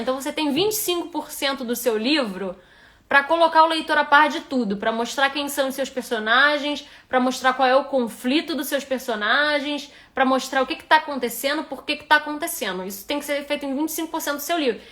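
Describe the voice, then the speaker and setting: A woman with a Rio de Janeiro Portuguese accent talks fairly quickly in a high, sharp-toned voice. She's a writing instructor critiquing a reader's manuscript live, thinking aloud with frequent restarts.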